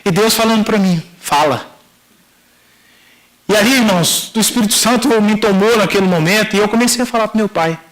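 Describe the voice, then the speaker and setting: A middle-aged Brazilian pastor with a strikingly high-pitched, fairly bright voice gives a sermon testimony in Brazilian Portuguese, acting out the story's dialogue and addressing listeners directly as brothers. He talks fast with hardly any pauses, and the audio is poor.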